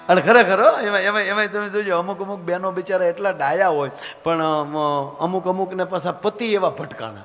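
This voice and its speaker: A man's voice: sits high, steady tone, brisk, few pauses, fairly bright tone, faint music behind. A man telling teasing comic stories on stage before a live audience. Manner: chatty, teasing, acts out scenes. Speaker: folk comedian at a dayro. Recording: live stage hall with faint noise.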